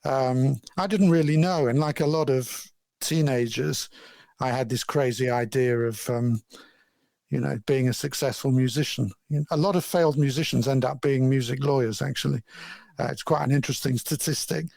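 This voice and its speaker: An older man, a music industry lawyer, talking in a modest, measured way with many fillers as a podcast guest. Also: mid-range voice, creaky, a little mellow, no room sound. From born in Scotland, grew up in London. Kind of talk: casual interview chat.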